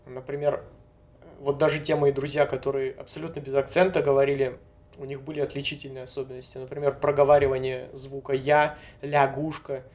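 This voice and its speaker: A young man from Novosibirsk talks as a guest in an easygoing chat. His voice stays flat and level in pitch, with loose hedging fillers and small chuckles. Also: a little fast. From Novosibirsk, Siberia, Russia. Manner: relaxed, hedging with frequent fillers, chuckles often. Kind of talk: casual conversation.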